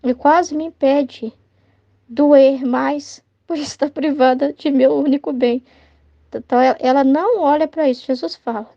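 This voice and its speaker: A woman's voice: sits high, steady tone, unhurried, vocal fry, no room sound. A Brazilian woman leading an informal devotional study, chatting casually and tagging her sentences with "né?". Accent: Brazilian Portuguese. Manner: chatty, tags sentences with "né?", acts out everyday dialogue. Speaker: religious study teacher and child tutor. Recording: dull lo-fi dry sound.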